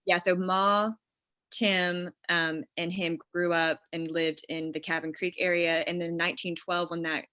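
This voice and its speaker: A woman's voice: fairly low pitch, flat delivery, a little slow, bright, forceful tone. A woman screenwriter explaining things casually and informally, as in a conversation with collaborators. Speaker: screenwriter leading a script table read.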